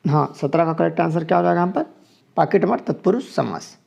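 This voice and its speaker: This is a lesson walking through exam questions, delivered by a man from Chhattisgarh with a gravelly, dark-toned voice set a bit high in pitch. He covers every multiple-choice grammar question at a quick pace with lively intonation, explaining each answer step by step and repeating it.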